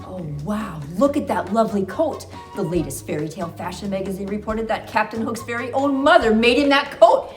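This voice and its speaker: A woman playing an earnest, excitable Red Riding Hood, announcing a fairy tale fashion show in a theatrical skit style. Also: mid-range voice, brisk, close to an everyday voice. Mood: chirpy. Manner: theatrical, animated. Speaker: co-host. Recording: roomy echo, music behind.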